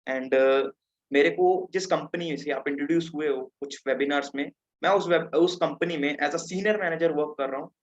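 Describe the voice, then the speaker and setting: A teenage man from Punjab runs an online class over a video call, his voice sitting a little high. He talks in a chatty way, keeps checking in with his audience, and the sound is dull and lo-fi. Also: fairly even intonation, moderate pace. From Punjab, India. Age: teens. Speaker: webinar presenter. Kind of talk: interactive online lesson.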